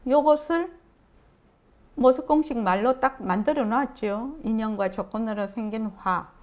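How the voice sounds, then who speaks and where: A woman giving a meditation dharma lecture, posing questions to her listeners and answering them herself, repeating key phrases for emphasis. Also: on the high side. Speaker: Buddhist meditation teacher.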